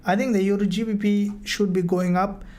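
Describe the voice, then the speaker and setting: A woman hosting a casual live stream as a mentor, answering viewer questions in halting, repetitive phrasing. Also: mid-range voice, fairly even intonation, darkish tone.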